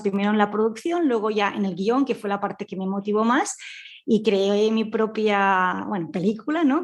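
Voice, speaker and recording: A woman with a Spanish accent from Spain, telling her story as a guest in a casual, chatty, informal conversational style with colloquial asides. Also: medium pitch. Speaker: guest, audio fiction scriptwriter.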